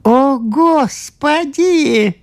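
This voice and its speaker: Female reader voicing excitable timid priest, high animated delivery, storybook. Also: dry recording. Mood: eager. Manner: high, eager, drawn-out exclamations. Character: excitable meek male priest-detective.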